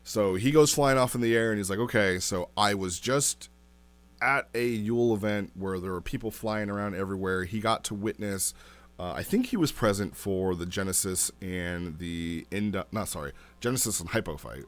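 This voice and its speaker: A man giving casual, unscripted commentary as a review host, talking in a rambling, animated way. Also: on the low side, moderate pace. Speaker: host reviewing a text role-play log.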